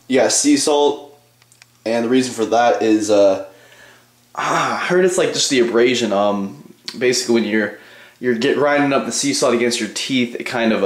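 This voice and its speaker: A bodybuilding vlogger in his twenties, with a voice on the low side, chats offhandedly to viewers in a rambling vlog. He's holding a camcorder at arm's length in a small bathroom, so the room sounds echoey.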